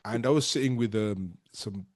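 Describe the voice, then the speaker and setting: A man's voice: fairly low pitch, normal speed, darkish tone, dry recording. A man hosting a podcast, chatty and friendly, telling stories with "I says". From United Kingdom. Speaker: podcast host. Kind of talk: casual interview talk.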